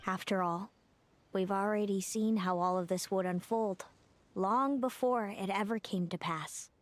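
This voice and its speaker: A woman voicing a calm, knowing mysterious figure in a video game, speaking slowly and philosophically. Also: medium pitch, no room sound, natural voice. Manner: slow, measured, philosophical. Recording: game audio with faint music.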